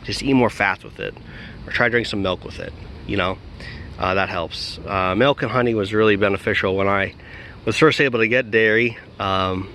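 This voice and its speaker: A man's voice: fairly low pitch, normal speed, bright, forceful tone, slight background noise. A man talking casually in a vlog, rambling with many fillers and restarts, recorded outdoors. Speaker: diet vlogger.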